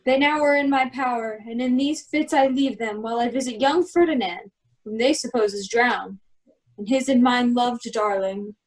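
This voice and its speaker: High-pitched woman as commanding magician duke. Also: moderate pace, lightly acted, low-quality recording. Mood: proud, satisfied. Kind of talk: Shakespeare performed as a radio play.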